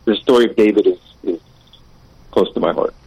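A man from the United States calling in to a radio show, speaking with reflective, measured care. His voice is on the low side, and the sound is dry and close. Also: creaky, warm tone, breathy edge, no echo, low-quality recording. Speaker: radio caller. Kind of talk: phone-in conversation.

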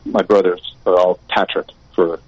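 A man from the United States calling in to a radio show, speaking in a reflective, measured way. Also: sits low, little pitch movement, dry recording, low-quality recording. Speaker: radio caller. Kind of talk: phone-in conversation.

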